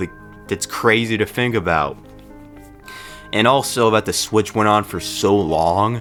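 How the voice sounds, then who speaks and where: A man's voice with fairly even intonation, music playing in the background. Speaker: gaming video creator. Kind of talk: casual talk to camera. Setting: far from microphone. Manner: rambling.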